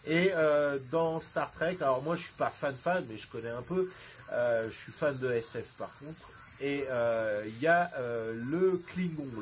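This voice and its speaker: A man's voice: medium pitch, slight background noise. A young man hosting a web marketing video, joking and swearing casually through a screen demo.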